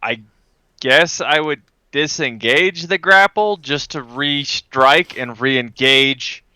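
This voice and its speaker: A man's voice: mid-range voice, slow pace, bright, forceful tone, clear, resonant tone, no room sound. A man playing a tabletop game, chatting casually and a little tentatively, with a self-deprecating manner.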